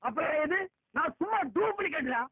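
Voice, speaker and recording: A man in a film comedy scene, scolding and mocking others with quick insults. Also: extremely high pitch, lively intonation, gravelly, no room sound. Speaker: comic film actor. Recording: tinny lo-fi film audio.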